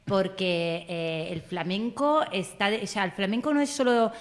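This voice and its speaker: A woman from Italy, native Italian speaker, talking with an Andalusian Spanish accent from Cádiz as an interview guest, lively and quick to laugh as she tells stories. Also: mid-range voice. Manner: lively storyteller, laughs often, quick fillers. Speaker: guest actress. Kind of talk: casual interview chat.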